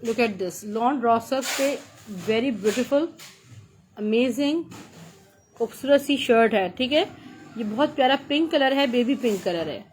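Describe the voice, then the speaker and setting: A woman with a Pakistani accent giving a live sales pitch for clothes in chatty teleshopping patter, repeating her praise and prices. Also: slow, slight background noise. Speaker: live online clothing seller.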